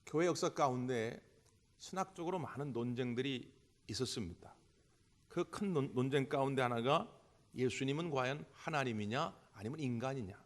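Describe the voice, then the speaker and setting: A male pastor delivering a Sunday sermon, full of rhetorical questions, swinging between loud bursts and quiet passages. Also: mid-range voice, normal speed. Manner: impassioned, with rhetorical questions and big swings in loudness. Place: church sanctuary. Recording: long church hall reverb.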